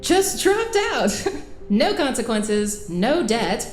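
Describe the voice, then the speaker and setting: A woman's voice: big pitch swings, takes it slowly, soft background music. An actress with an American accent playing a fierce, wounded young woman with a sarcastic, emphatic way of talking in an audio drama. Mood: bitter, accusing. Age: young adult. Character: fierce, wounded young woman lawyer scolding old friend. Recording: roomy sound with faint rumble.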